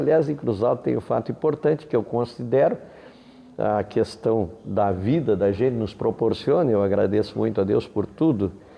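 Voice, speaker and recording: A man with a plain, everyday voice keeps a moderate pace, and his intonation is lively. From southern Brazil, Rio Grande do Sul (Bagé). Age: 60s. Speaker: pastor. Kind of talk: interview, personal reminiscence.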